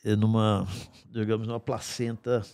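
A man's voice: fairly low pitch, monotone, darkish tone, dry recording. Dry-voiced older man telling wry stories. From Brazil. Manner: wry, unhurried storyteller with dry asides. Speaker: guest singer-songwriter. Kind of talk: storytelling in a podcast interview. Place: podcast studio. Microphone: studio mic on a stand.

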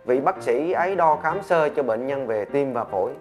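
A man telling a story in a steady, measured narrating voice. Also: medium pitch, faint music behind. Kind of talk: scripted storytelling.

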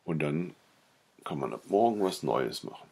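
A man reading a novella aloud in a calm, measured way, then chatting briefly at the end. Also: very deep voice, husky. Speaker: audiobook reader.

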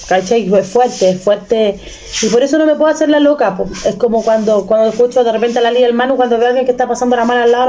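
A woman's voice: on the high side, mellow, a little hiss or hum. A Chilean woman in her thirties, casually retelling a personal story with emotion and many restarts. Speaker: vlogger.

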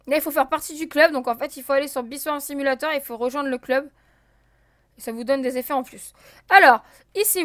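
A woman's voice: sits high, no echo, clean studio sound. A woman casually commenting on her gameplay as a let's play host, thinking aloud with many fillers and talking to her viewers. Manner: counts and checks items out loud.

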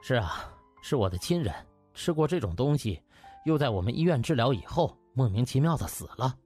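A male reader acts out a cocky young doctor in an audiobook, breezy and eager to please. The voice is lively and a little husky, with soft music behind. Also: mid-range voice, a little fast. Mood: grave, resolute.

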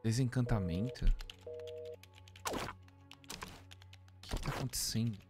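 A man's voice: mid-range voice, slow, over loud music. A man in his thirties with a Brazilian accent, giving casual playthrough commentary, musing aloud and reading out screen text. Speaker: game streamer.

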